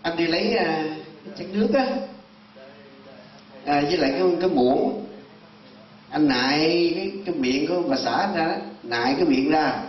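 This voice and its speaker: A man voicing a clingy young woman ghost who speaks in a hushed, coaxing way, captured in a roomy, distant, dull recording. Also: a little high, expressive, moderate pace, long pauses, lightly acted.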